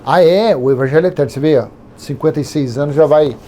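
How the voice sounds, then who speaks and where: Brazilian man, 50s, high mellow voice; loose, digressive Bible-study teacher with a faint hiss underneath. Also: quick pace. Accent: Brazilian Portuguese. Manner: rambling, conversational, with digressions and repetitions.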